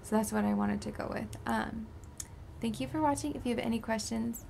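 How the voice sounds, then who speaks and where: A woman in her twenties, tired and sore after surgery, rambling casually in a raspy voice that sometimes drops to a whisper. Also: on the high side, brisk, slight background noise. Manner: rambling, drifting into soft whispers. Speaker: beauty vlogger. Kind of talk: casual post-surgery update vlog.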